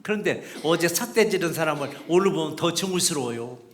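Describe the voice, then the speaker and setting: A man's voice: on the high side, fairly quick. A middle-aged male pastor preaching a sermon, emphatic and repetitive, acting out short quoted voices.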